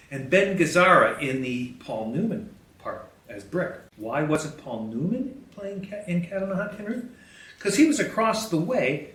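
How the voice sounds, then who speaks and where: A man with a high, fairly bright voice hosts a history podcast, giving animated commentary and reading newspaper headlines aloud. His delivery is conversational, colloquial and emphatic. He sounds distant from the mic in an echoey room.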